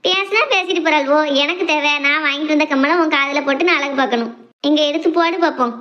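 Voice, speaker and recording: A woman playing a fond teasing daughter, high and rapid. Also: fairly bright tone, muffled recording. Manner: earnest, coaxing, playful. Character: young adult working daughter, devoted and teasing. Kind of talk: family drama skit.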